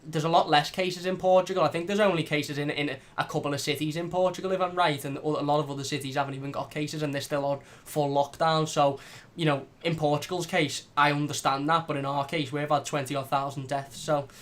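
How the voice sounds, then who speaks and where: A man hosting a fan channel, chatting casually and reading out live comments, blunt and animated. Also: on the high side, a little fast, few pauses. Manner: animated, blunt, swears lightly.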